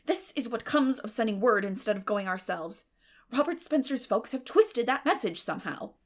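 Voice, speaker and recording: A woman voicing a stern, practical older spinster in an audiobook, with a brisk, scolding, emphatic manner. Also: a little high, lively intonation. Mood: wrathful.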